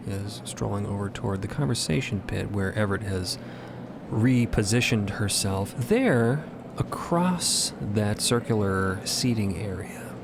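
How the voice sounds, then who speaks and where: Low, creaky-voiced man narrating a story. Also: background noise. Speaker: podcast narrator.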